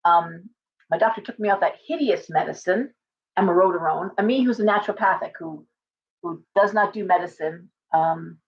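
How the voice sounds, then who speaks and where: A middle-aged woman, a tarot reader, chatting casually on a livestream from her living room, hoarse from coughing and rambling with many restarts. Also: lowish voice, normal speed. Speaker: tarot reader and shop owner. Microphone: webcam at desk distance. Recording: slightly dull lo-fi webcam audio.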